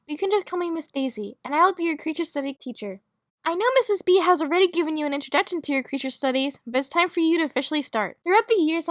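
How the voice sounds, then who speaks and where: A woman playing a timid, kindly magic-school creature teacher with a polite, hesitant manner in an animated roleplay story. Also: high voice, dry recording, clean studio sound.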